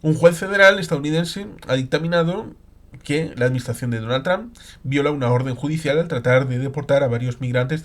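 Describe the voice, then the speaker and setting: A man reading news reports aloud with commentary, in a halting delivery with hesitant pauses and asides. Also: fairly high pitch.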